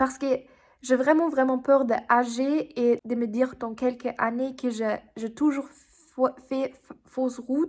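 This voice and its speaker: A high-voiced woman with a non-native accent, very slow, fairly even in intonation, with big swings in loudness. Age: young. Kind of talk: personal video diary talk to camera. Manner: hesitant, emotional.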